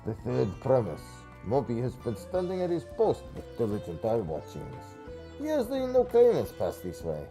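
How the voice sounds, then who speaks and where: A simple tribal sentry creature from a fantasy game voiced by a man talks in stilted third person. The pitch moves around a lot, and music plays clearly behind the voice. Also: huge pitch swings, normal speed, long pauses. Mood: dutiful.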